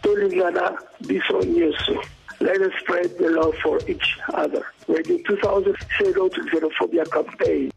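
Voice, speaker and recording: Man for a radio promo, high gravelly voice, dull lo-fi sound. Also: fairly even intonation, normal speed, soft background music. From Democratic Republic of the Congo. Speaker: campaign promo speaker.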